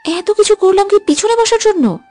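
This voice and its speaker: A woman playing a teasing, quick-tempered young woman. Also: on the high side, sing-song, a little mellow, no room sound, faint music behind. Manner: playful, sulky and bickering. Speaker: heroine of an audio love story. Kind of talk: dramatized audio story.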